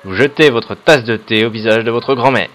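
A man's voice: mid-range voice, normal speed, a bit bright. A man hosting a video game let's play, reading the on-screen options aloud and adding hesitant, joking comments full of fillers. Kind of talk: casual gameplay commentary.

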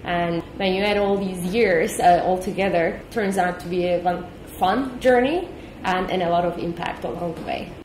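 A woman's voice: fairly low pitch, normal speed, darkish tone, reverberant, slight background noise, poor audio. A woman from Turkey, a company executive, answering interview questions thoughtfully and sometimes repeating words as she thinks. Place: office meeting room.

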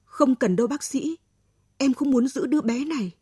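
Give me a woman voicing a bitter, defiant young student from an audio story. Her voice is high, sharp and rising. It is husky and dry. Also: moderate pace, no echo.

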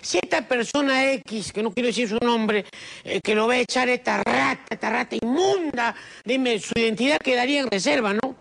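A man's voice: extremely high pitch, a little fast, creaky, fairly bright tone. A man making a comic prank phone call, wheedling and scheming, calling everyone brother. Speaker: prank caller.

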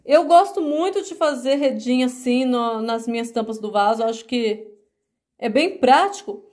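A woman's voice: on the high side, normal speed, darkish tone. A woman crochet vlogger from Brazil, chatting affectionately at home as she shows her work to viewers. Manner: affectionate, chatty, calls viewers "meus amores" and "gente". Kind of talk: casual show-and-tell vlog.

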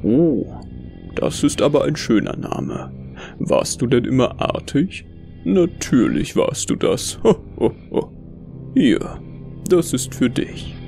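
A man's voice: medium pitch, very animated, slow pace, gravelly, mellow, faint music behind, exaggerated voice. A man playing a jolly Santa Claus in a horror audio drama, talking genially to children. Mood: jolly, kindly.

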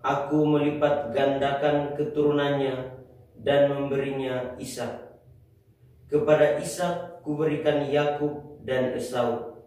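A young man, a lector, reading scripture aloud in a slow, even voice in a small chapel, heard from a distance. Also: on the high side. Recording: very echoey chapel from far off.

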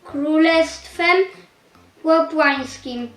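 A young female reader reading scripture dialogue aloud haltingly, stumbling over words syllable by syllable. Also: sits high, a bit bright, roomy sound.

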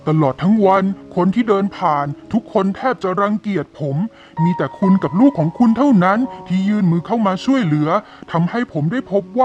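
A man's voice: sits high, highs cut off. A man playing a polite, earnest company president who poses as a poor beggar in a cartoon story. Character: company president posing as a blind, grateful beggar.

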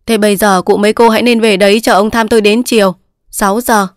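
A fussy court clerk, officious and quick to lecture, then polite and helpful, read by a woman narrator. Dry, close sound without any echo. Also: medium pitch, steady tone, lightly acted.

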